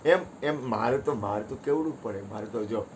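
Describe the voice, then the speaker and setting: A man's voice: mid-range voice, moderate pace, noisy background. A man giving a devotional satsang talk in a folksy, conversational way, joking with his listeners. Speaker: satsang speaker.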